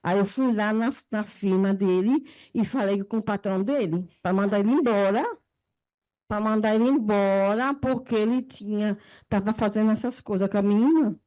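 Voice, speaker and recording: A woman's voice: moderate pace, dark tone. A woman telling a painful personal story in plain everyday speech, often checking in with short tag questions and her voice lifting when she quotes herself. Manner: emotional retelling, pitch rising in quoted speech. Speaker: woman giving a testimony.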